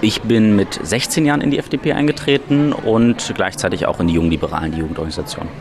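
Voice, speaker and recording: Over noticeable background noise, a man with a medium pitch talks at a fairly quick pace with hardly any pauses and very wide pitch swings. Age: 20s. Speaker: young politician. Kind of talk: interview.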